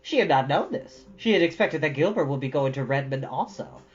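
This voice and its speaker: A woman narrating a storybook in an expressive, dramatic, emphatic read. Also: sits low, brisk, dull audio, faint music behind.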